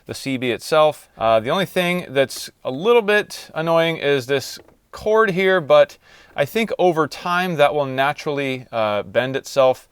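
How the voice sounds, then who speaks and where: Higher-voiced man, dry close sound, casual how-to. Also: lively intonation, a little slow, clean tone, dry recording. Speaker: video host installing car gear. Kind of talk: casual how-to vlog narration. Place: in and around a car in a garage.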